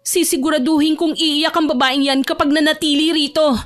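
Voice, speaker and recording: A woman's voice: high-pitched, fairly even intonation, brisk, no echo, soft background music, voice pushed up, close to an everyday voice. A woman voicing a bitter, vengeful young woman in an audio drama, with a whiny, indignant, dramatic delivery.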